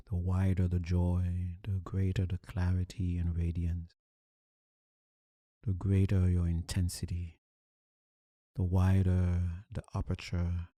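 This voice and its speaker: A man leading a guided meditation as a teacher, speaking calmly and soothingly with long, deliberate pauses. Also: sits low, no echo.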